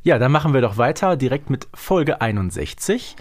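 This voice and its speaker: A man of average pitch co-hosts a podcast. He talks in a casual, conversational way and underlines his opinions with emphatic repetition. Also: big pitch swings, normal speed. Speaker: podcast co-host.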